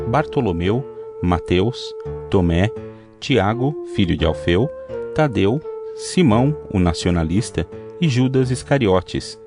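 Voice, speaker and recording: A man with a fairly low voice narrates scripture in a steady, measured reading. Instrumental music plays clearly under his voice.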